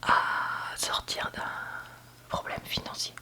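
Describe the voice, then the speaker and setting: A book reviewer giving a candid, hesitant ASMR review in a soft library whisper, often searching for words. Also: slow. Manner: soft library whisper, almost entirely unvoiced. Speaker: book reviewer, video host.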